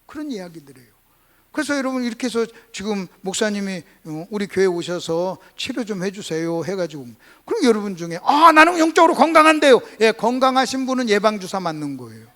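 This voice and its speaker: A male revival preacher with a notably high voice addresses his congregation. He teaches by repeating key phrases and putting rhetorical questions to his listeners, with firm emphasis. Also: fairly bright tone. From Gunsan, North Jeolla, South Korea. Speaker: pastor, visiting revival preacher. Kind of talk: Sunday revival sermon with call-and-response to congregation. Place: church service.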